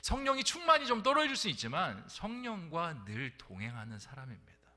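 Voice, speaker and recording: A man's voice: a little high, wildly swooping pitch, fairly quick, pushed and bright. A middle-aged man preaching a sermon as pastor at a Friday prayer meeting, often dropping to a whisper for emphasis and putting questions to the congregation. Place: church sanctuary.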